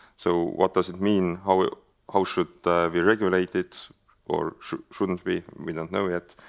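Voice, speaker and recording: With an Estonian accent, a man speaks in a very deep, low voice at a fairly slow pace and with monotone, flat intonation, on a very clean recording with a silent background and a dry, close sound with no echo. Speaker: panel moderator. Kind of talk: conference panel moderation. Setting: conference stage with audience. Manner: halting, many fillers.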